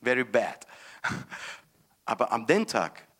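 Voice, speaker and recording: A man preaching a sermon with fervent emphasis, moving between loud bursts and quiet storytelling, often restarting and repeating words. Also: mid-range voice, sing-song, slow pace.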